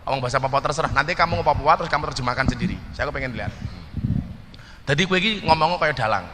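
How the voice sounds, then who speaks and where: A man's voice: a little high, very fast, bright, forceful tone, long reverb tail, slight background noise. A man giving a humorous religious talk, teasing audience members and slipping into Javanese. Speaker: preacher.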